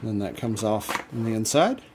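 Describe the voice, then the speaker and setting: A man hosting a do-it-yourself channel, explaining a repair step by step in a relaxed, casual way as he works at a bench. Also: on the low side, moderate pace, heavy background noise. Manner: relaxed step-by-step explaining while working hands-on. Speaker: DIY channel host. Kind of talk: casual how-to demonstration.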